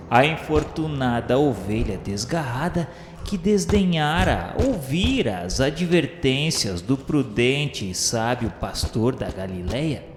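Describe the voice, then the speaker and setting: A Brazilian man giving a solemn, emphatic and theatrical narration of a literary radio drama. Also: mid-range voice. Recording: echoey reverberant hall sound with music. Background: music.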